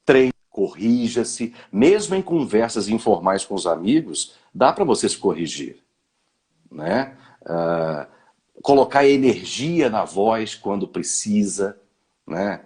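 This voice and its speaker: A man with a lowish, husky voice. He talks in a didactic way, handing out tips on speaking as short commands and ending phrases with a tag question. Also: big pitch swings, takes it slowly, darkish tone. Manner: didactic, gives advice in short imperatives with many "né?" fillers. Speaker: guest speaker on public speaking. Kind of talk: live online conversation.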